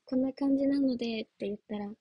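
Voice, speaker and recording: A woman's voice: high voice, fairly even intonation, fast, slightly rough, no echo, dull audio. A young woman chatting casually on a livestream as an idol trainee, giggly and playful as she answers viewer comments. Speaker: idol trainee streaming live.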